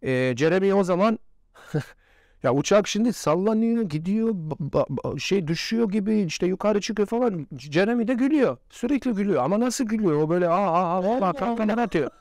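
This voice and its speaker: A man's voice: high voice, lively intonation, fairly quick, darkish tone, dry recording. A former footballer in his forties, a man, telling stories in a casual interview and laughing often. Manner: chatty anecdotes with frequent laughs.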